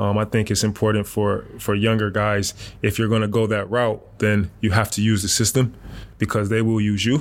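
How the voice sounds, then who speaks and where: A man speaks at a moderate pace with an American accent and a fairly low pitch. His intonation is monotone and flat, and his loudness stays very even. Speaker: basketball coach and former player. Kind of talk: casual interview.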